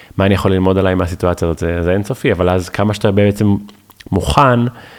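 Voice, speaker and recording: Over noticeable background noise, a man with a very deep, low pitch talks at a very fast pace with fairly even intonation. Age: 30s. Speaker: podcast host. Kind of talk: casual chat.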